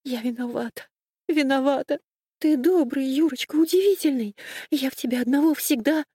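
A woman voicing a scared, tearful young woman who pleads in a high, whimpering voice. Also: sing-song, normal speed, a little mellow, no echo, clean studio sound. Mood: pleading.

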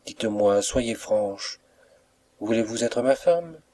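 A man reading an audiobook, voicing a mysterious young suitor who speaks gently and respectfully, with soft reproach. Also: lowish voice, lively intonation, takes it slowly, slight background noise. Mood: tender.

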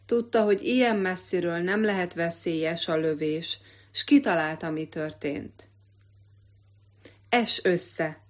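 A woman narrating an audiobook in a measured, expressive literary reading. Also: fairly low pitch. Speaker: audiobook reader.

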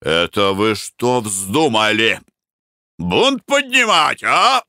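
A man's voice: mid-range voice, sing-song, dry recording, studio quality, exaggerated voice. A man doing a stern, scolding merchant. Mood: shouting angrily. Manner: curt, scolding, shouts slowly and heavily. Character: stern, irritable rich merchant barge owner, male.

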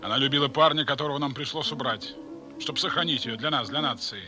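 An actor in an audio play voicing a proud, world-weary spymaster who talks in a sardonic, patronising way. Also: male voice, medium pitch, quick pace, close to an everyday voice. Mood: grim confession. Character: weary, condescending European male spymaster, hard and proud. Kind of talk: dramatic audio play acting. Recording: music under the voice. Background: music.

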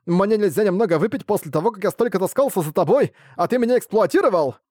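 A man voicing a drunk, whiny male pig merchant who squeals his complaints in shrill outbursts. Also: expressive, quick pace, darkish tone, dry recording, studio quality. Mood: ranting.

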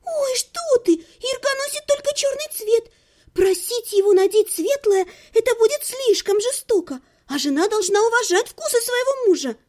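A woman's voice: extremely high pitch, animated, normal speed, darkish tone, voice pushed up. A woman voicing a naive young noblewoman who chatters with breathless, sing-song enthusiasm. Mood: gushing.

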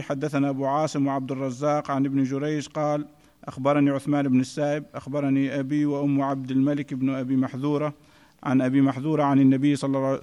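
Fast, flat-toned man reading aloud. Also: medium pitch. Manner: steady recitation in a level chant. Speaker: student reading the text aloud. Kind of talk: reading a classical text aloud. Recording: echoey hall.

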